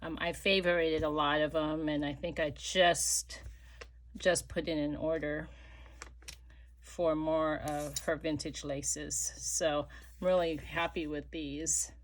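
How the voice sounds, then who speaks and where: A middle-aged woman chatting casually while she crafts, rambling with many fillers and dropping to soft murmurs as she works. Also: low-pitched, flat delivery, takes it slowly. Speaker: crafting vlogger.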